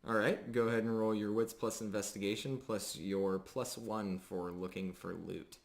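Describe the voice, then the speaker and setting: Man, deep-pitched voice, game master, improvised tabletop narration, halting, descriptive. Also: fairly even intonation, vocal fry.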